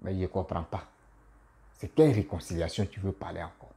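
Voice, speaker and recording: Male comedian-vlogger, deep warm voice, animated and repetitive. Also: a little fast, vocal fry. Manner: animated, repetitive, laughs at himself. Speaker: comedian and YouTuber. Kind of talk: casual political commentary vlog.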